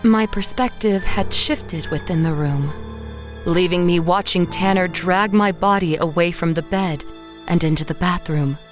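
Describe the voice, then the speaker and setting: An actress playing a haunted woman painter who narrates horror in a measured, literary way. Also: on the low side, soft background music, close to an everyday voice. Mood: grim, resigned. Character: haunted woman painter narrating her own murder, dazed and grim. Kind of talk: first-person horror audio drama narration.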